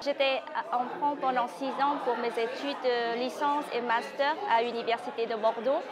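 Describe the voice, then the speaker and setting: A woman's voice: a little high, steady tone, normal speed. A woman, a doctoral student, telling casual amused anecdotes. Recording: crowd chatter behind.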